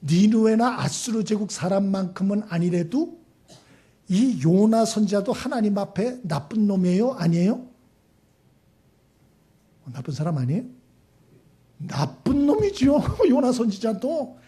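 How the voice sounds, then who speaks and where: A man's voice: high voice, expressive, measured pace, long pauses, mellow, slightly rough. A male pastor preaching a sermon, asking his congregation questions and acting out the voices in his stories. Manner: asks the congregation questions, acts out quoted voices.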